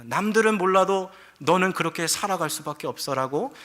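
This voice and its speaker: A man's voice: sits high, animated, brisk, pushed and bright, voice pushed up. A man voicing sin as a sneering inner voice that belittles and taunts the listener. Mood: taunting. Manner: scornful, belittling.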